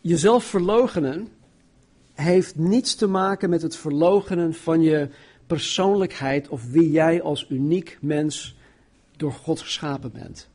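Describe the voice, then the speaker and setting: A man delivers a sermon as pastor, his voice sitting fairly high with a husky edge. He preaches conversationally, restating words and turning to the congregation with questions. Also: unhurried, a little mellow.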